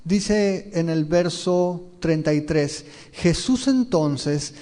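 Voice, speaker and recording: Pastor in a reverberant hall. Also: male voice, a little high, dark tone. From Mexico. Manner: questions the listeners directly and retells scenes vividly. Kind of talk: verse-by-verse Bible teaching sermon. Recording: long reverb of a large hall.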